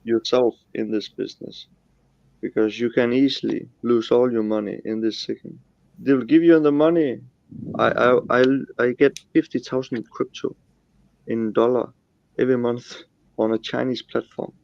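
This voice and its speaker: Brief: twenties Danish man, mellow gravelly voice, rambling and blunt, muffled stream audio. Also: medium pitch, fairly even intonation, normal speed, dry recording. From Denmark. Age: 20s. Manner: rambling, blunt, restarts often. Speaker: streamer guest. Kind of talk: casual livestream chat.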